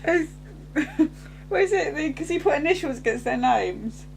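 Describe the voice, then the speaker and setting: A woman's voice: high-pitched, lively intonation, moderate pace, creaky, slight background noise, poor audio. A woman, co-hosting a casual chat about a sitcom and often chiming in with short agreements. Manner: supportive listener, frequent short agreements. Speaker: podcast co-host.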